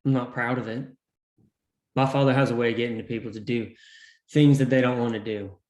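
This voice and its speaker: A man's voice: mid-range voice, fairly even intonation, brisk, darkish tone, lightly acted. A man playing a remorseful, resigned young captive in a script read, subdued, in an echoey room. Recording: echoey, distant-sounding room.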